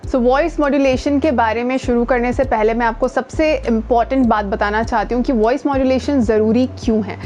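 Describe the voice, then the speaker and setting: High-voiced Indian woman coaching, over music. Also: fairly even intonation, brisk, few pauses. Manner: conversational, emphatic, code-mixing with English words. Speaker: voice coach and video host. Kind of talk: informal instructional talk to camera. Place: outdoors near the speaker's home.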